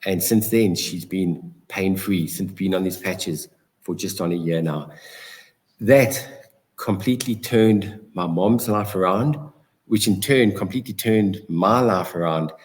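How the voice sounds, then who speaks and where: A man's voice: sits low, measured pace. A South African man, a guest in a casual interview, recounting events and acting out the dialogue he quotes.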